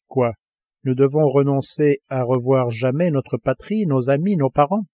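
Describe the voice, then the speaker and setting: A man's voice: medium pitch, measured pace, darkish tone, lightly acted. A man reading the lines of an earnest, indignant male scientist held captive, in an audiobook.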